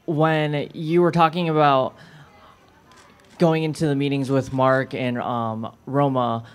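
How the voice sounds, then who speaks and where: A man's voice: mid-range voice, level tone, takes it slowly, smooth. A man in the audience asking a hesitant question.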